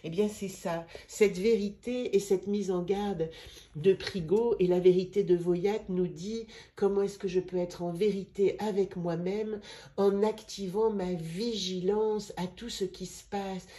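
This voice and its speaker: A middle-aged woman with a head cold, reading oracle cards and talking gently and meanderingly, with pauses and fillers. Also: medium pitch, fairly even intonation. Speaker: card reader and astrologer. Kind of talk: spiritual card-reading video.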